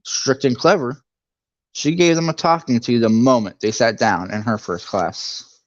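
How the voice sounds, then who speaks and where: A man's voice: mid-range voice, a little slow, dry recording. Casual man reading aloud, dry dull mic. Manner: chatty, breaks off for jokey asides. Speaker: reader of a book aloud. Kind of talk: casual read-along narration with asides.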